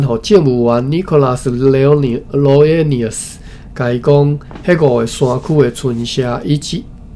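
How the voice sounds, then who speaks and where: A man with a Taiwanese accent reads a historical text aloud as a study session presenter, haltingly, often repeating phrases and adding informal asides. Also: mid-range voice, a little mellow. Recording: clearly noisy recording with background ambience.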